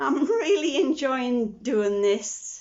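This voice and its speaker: A woman's high-pitched voice. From Scottish Borders, near Berwick-upon-Tweed. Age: 60s. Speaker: crafting and haul vlogger. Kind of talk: casual video sign-off.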